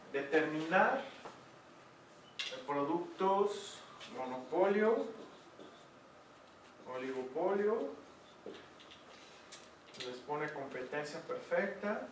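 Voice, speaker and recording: In an online tutoring session, a Mexican-accented teacher talks chattily and uses lots of fillers. His fairly high voice swings widely in pitch, and he draws out words and leaves long pauses. The sound is noisy and echoey, picked up by a distant mic.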